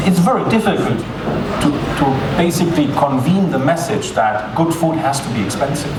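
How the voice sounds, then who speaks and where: A man from Germany with a German accent, giving a measured conference talk with occasional restarts. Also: fairly high pitch, heavy background noise. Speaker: conference speaker. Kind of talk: conference presentation. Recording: echoey hall, distant mic, loud ambience.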